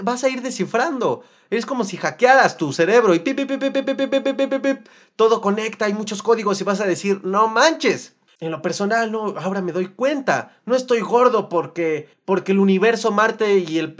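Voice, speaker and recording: A young adult man with a Mexican accent giving a motivational self-help talk, animated and mimicking whiny complaining voices now and then. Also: high voice, muffled recording.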